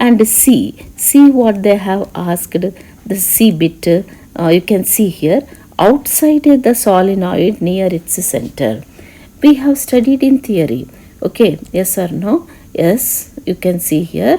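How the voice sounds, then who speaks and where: At a very slow pace, a woman speaks in a medium pitch that swings very widely up and down. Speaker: physics teacher. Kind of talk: lecture.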